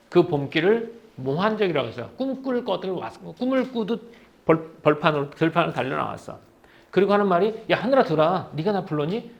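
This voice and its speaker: High-voiced man teaching poetry for exams. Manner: reads poem lines aloud, then paraphrases them in casual speech and quizzes students. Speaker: Korean literature teacher. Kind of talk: exam-prep poetry lecture.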